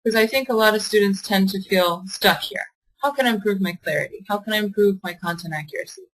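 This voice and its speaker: A woman's voice: mid-range voice, fast, rough recording. A young adult woman tutoring a test prep class online, asking the class questions and reading out their answers with encouragement.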